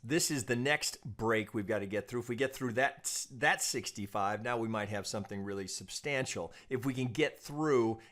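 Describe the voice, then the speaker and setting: A man giving an informal technical analysis lesson as a trading analyst, explaining in a measured, cautious way with repeated phrases and frequent check-ins. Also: medium pitch, fairly bright tone. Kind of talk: informal technical analysis commentary over charts.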